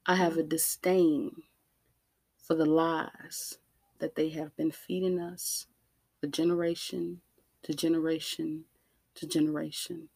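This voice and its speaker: A woman with an African American accent delivering an impassioned monologue, emphatic and deliberate, with rhetorical questions and repetition. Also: low voice, little pitch movement, vocal fry, warm tone, husky, no echo. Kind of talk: impassioned spoken monologue to listeners.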